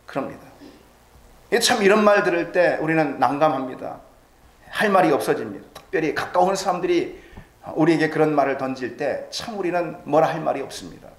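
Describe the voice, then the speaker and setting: Brief: male pastor, sermon delivery, lively rising-and-falling pitch, bit high, roomy church echo. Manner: dramatic preaching, voicing doubters' quoted lines. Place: church sanctuary.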